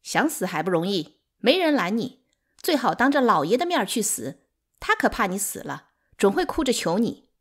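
A woman voicing a spiteful, domineering concubine in an audiobook, scornful and forceful in her delivery. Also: mid-range voice, sing-song, normal speed, husky. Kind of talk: dramatic audiobook character acting.

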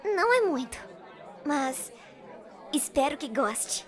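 A woman's voice: high-pitched, sing-song, takes it slowly, a faint crowd, exaggerated voice. A woman playing a caring, cheerful young girl in a comic dub, speaking in a pleading, eager way. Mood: shy, caring. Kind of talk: fan comic dub drama acting.

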